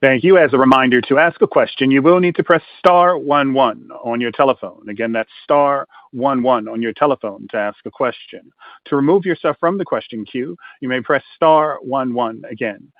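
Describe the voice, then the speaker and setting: A man's voice: mid-range voice, normal speed, no echo. Male call operator on a telephone line. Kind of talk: scripted call instructions. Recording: dry, narrow telephone line.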